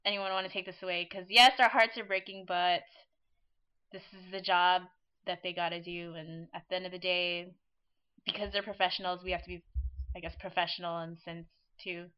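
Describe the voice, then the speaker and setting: A woman's voice: fairly low pitch, flat delivery, moderate pace, smooth, lo-fi sound. A woman hosting a casual online fan chat, rambling and laughing often as she talks. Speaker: podcast host.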